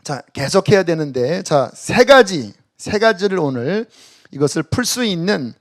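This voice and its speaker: A man delivers a sermon at a church worship service, very animated and a little slow, in a high voice. He ranges from loud exhortation to hushed near-whispers and guides the congregation in reading scripture aloud.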